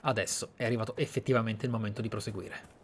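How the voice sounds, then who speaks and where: A man's voice: fairly low pitch, steady tone, quick pace, a little hiss or hum. A man hosting a let's play, commenting and reading game text aloud. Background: game music.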